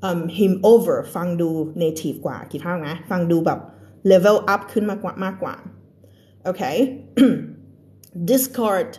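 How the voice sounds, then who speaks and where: A woman with a Thai accent teaching English on a live stream. She reads a storybook slowly and carefully, then explains it in quick, chatty Thai, laughing often and greeting viewers by name. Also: lowish voice, dark tone.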